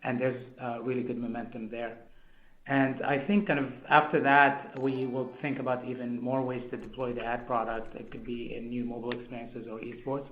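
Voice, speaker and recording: A man answering haltingly in corporate jargon as an executive on a conference call, over an echoey phone line. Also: medium pitch, little pitch movement. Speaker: company executive.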